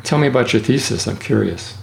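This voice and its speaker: A man's voice: mid-range voice, lively intonation, brisk, vocal fry, a little mellow. A man interviewing a guest, asking short, curious questions.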